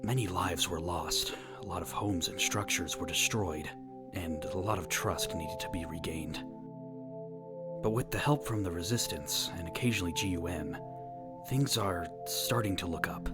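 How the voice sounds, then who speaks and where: A low male voice of an actor plays a brooding cartoon hero in an audio drama. He narrates in formal, dry, wry phrases, sounding tired of the world. Loud music runs underneath. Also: moderate pace, close to an everyday voice. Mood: somber, reflective. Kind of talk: scripted first-person narration in a fan audio drama.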